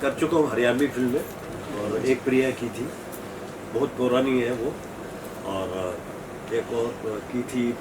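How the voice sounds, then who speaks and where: A man's voice: mid-range voice, measured pace, pauses often. A middle-aged man, an actor, speaking unscripted at a press event in a hesitant way. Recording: distant mic, noisy room.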